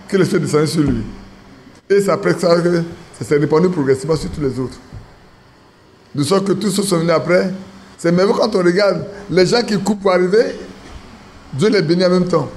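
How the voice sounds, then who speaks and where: A man's voice: high-pitched, darkish tone. A man preaching an informal sermon to his church, talking casually and asking the congregation questions. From Ivory Coast. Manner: conversational, asks the congregation questions. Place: church assembly.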